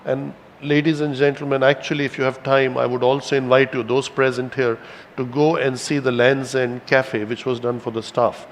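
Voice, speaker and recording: A man giving a corporate investor presentation as a company executive, speaking in a measured, halting way with emphatic stretched words. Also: mid-range voice, a little hiss or hum. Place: hotel event hall with audience present. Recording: reverberant hall sound.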